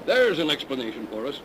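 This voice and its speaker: A man's voice: medium pitch, a bit bright. A middle-aged man playing a curt, skeptical police lieutenant, in 1930s radio drama style. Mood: mocking. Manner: curt, dismissive. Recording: scratchy 1930s radio recording.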